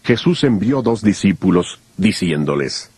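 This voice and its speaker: A man narrating dramatized scripture in a measured, expressive way. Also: sits low, husky, no echo.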